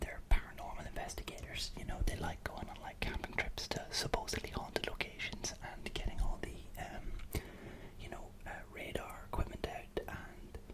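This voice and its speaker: Someone whispers at a moderate pace. Noticeable background noise runs underneath. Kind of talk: ASMR whispered ramble. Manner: whispered; hesitant, rambling.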